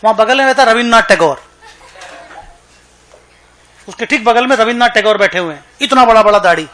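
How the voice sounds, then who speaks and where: Male teacher, high bright voice, chatty, dictates notes between jokes. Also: a little fast. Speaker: accountancy teacher. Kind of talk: classroom lecture with storytelling.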